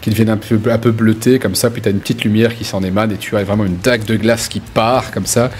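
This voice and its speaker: A man's voice: fairly low pitch, steady tone, fast talker, darkish tone, a little hiss or hum. A man running a tabletop role-playing game, narrating in an informal, hesitant but vivid way. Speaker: game master.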